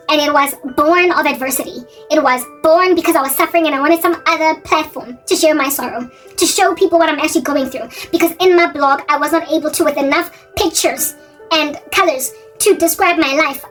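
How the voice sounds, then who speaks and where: South African woman, 40s, high voice, rambling vlog talk, distant mic, faint music underneath. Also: fairly bright tone. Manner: rambling, often correcting and repeating herself. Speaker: faith vlogger. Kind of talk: casual talking-head monologue.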